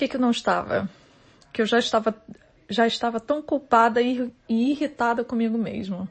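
In a normal speaking voice, a woman of fairly high pitch talks at a moderate pace with fairly even intonation. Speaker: podcaster. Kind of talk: personal monologue.

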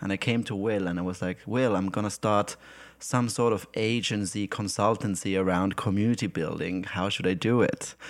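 On a very clean recording with a silent background, a plain, everyday voice moves at a fairly quick pace with ordinary pitch variation. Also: man. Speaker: creative studio founder. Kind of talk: casual interview conversation. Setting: studio, in person.

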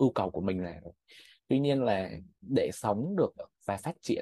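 A man speaks at a fairly low pitch with a dark, mellow tone. The sound is dry and close, with no echo. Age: 20s. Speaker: UX writer and designer. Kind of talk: casual interview chat.

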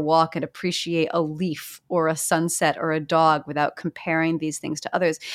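In an American accent, an ordinary speaking voice moves at a fairly quick pace with hardly any pauses. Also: woman. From upstate New York. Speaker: author and columnist. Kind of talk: casual chat, podcast interview. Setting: video call from her home.

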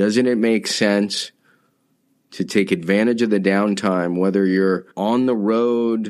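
This man's voice sits at a fairly low pitch. His intonation is monotone and flat. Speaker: podcast host. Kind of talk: interview.

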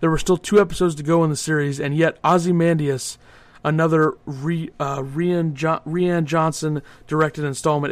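A man talks at a moderate pace in a monotone, flat intonation. His pitch is fairly high. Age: 20s. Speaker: sports podcast host. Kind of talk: solo podcast monologue. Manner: casual, filler-heavy.

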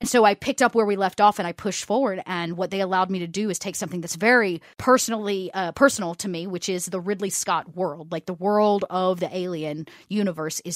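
A woman with an American accent at a very fast pace, medium pitch and ordinary pitch variation, in a very clean recording with a silent background and a dry, close sound with no echo. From US South, rural southeast Georgia. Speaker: tabletop RPG producer. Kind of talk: casual interview.

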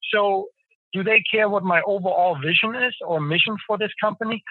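A man with a German accent and a high pitch. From Germany. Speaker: business owner. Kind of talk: interview.

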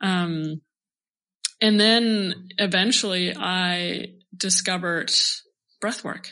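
A woman with a bright, sharp tone and fairly even intonation speaks at a very slow pace, leaving long, frequent pauses. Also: medium pitch for a woman. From Bavaria, southern Germany. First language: German. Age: 30s. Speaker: breathwork teacher. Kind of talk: casual chat.

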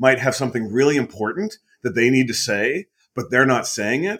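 A man with a normal speaking voice, medium in pitch, with lively intonation and a fairly quick pace. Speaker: keynote speaker on emotional intelligence. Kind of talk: interview conversation.

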